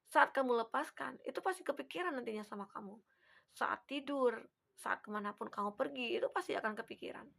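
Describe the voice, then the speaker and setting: A woman giving a collective tarot reading, gently advising and speaking straight to the listener. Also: on the high side, vocal fry. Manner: acts out the listener's own words. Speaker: tarot reader.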